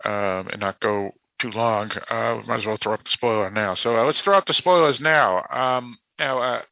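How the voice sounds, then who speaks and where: A man's voice: medium pitch, normal speed, gravelly, no room sound, lo-fi sound. Bostonian man hosting a casual chat. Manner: rambling, hesitant with fillers and restarts. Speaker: podcast host. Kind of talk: casual movie discussion.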